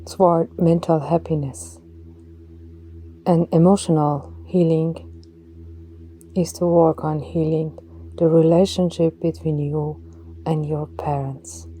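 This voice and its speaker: A woman leading a guided meditation in a slow, soft voice, some words dropping to a breathy whisper. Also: sits low, steady tone.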